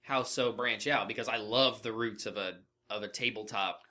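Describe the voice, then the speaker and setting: A man's voice: fairly low pitch, fairly even intonation, normal speed, bright, forceful tone. A man co-hosting a casual video game podcast, chatting and swearing easily. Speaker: podcast co-host.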